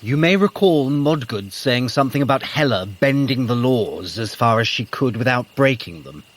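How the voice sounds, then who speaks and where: An actor playing a sly, playful trickster god in an audio drama, smug and teasing, with arch, formal, theatrical phrasing. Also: male voice, medium pitch, animated, normal speed, lightly acted. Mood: wry explaining. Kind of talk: scripted audio drama acting.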